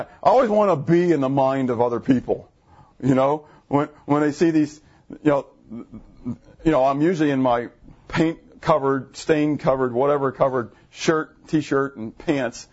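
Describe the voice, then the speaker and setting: A man preaching a sermon to his congregation, animated, asking the room questions, with jumps in pitch when he gets excited. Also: moderate pace, lo-fi sound. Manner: jumpy pitch, bursts high when excited. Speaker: pastor. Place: church assembly room.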